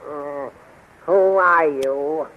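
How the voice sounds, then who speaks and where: An actor playing a pompous, grumbling court magician who hems, haws and mumbles, in 1930s radio serial style. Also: male voice, on the high side, very slow. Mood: pompous, hesitant. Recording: muffled, hissy 1930s radio recording.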